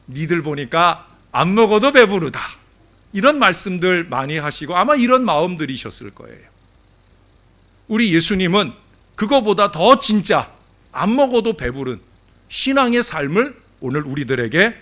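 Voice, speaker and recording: Animated pastor preaching to his congregation. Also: fairly high pitch, moderate pace. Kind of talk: Sunday sermon. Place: church service.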